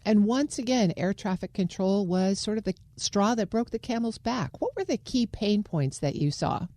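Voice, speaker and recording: A woman's voice: medium pitch, animated, normal speed, warm tone, no echo, studio quality. An American woman hosting a news interview. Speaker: radio interviewer and host.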